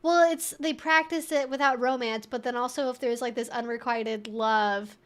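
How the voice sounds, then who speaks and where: A woman's voice: fairly high pitch, fairly even intonation, moderate pace, a bit bright. A woman hosting a casual live Q&A, thinking aloud in a rambling, amused way as she reads things out and reacts. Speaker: livestream host and kink educator.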